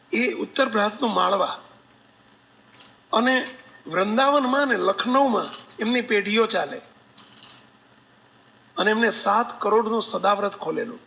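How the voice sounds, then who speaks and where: A man telling a devotional story as a sermon, animated, acting out voices and asking listeners questions. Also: extremely high pitch, creaky, low-quality recording. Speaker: religious storyteller.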